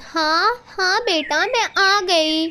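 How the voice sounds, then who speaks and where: A woman's voice: extremely high pitch, drawn-out words, pushed and bright, exaggerated voice. Woman voicing a sly hungry kite bird. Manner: sly, coaxing.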